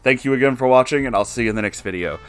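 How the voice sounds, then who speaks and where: A man's voice: mid-range voice, very fast, fairly bright tone, soft background music. A man hosting a story-reading channel, giving casual, sarcastic commentary on a book he finds stupid. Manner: sarcastic, exasperated critic.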